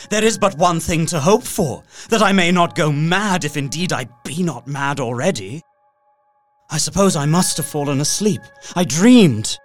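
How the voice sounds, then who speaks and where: For a gothic horror audio drama, an actor plays an anxious young man trapped in a castle who narrates his diary, his delivery dipping into hushed tones and swelling dramatically. His voice is natural and mid-range, and he sounds shaken.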